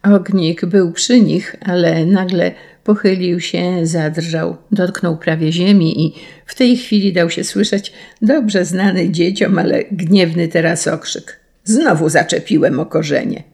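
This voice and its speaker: A woman narrating a children's story in a measured, expressive reading. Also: fairly low pitch, vocal fry. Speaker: audiobook narrator.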